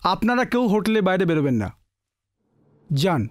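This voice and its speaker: An actor playing a deferential, flustered subordinate in a film melodrama, obedient and hurried as he reports. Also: high-pitched, big pitch swings. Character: flustered, deferential hotel employee or junior subordinate. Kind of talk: Bengali film melodrama acting.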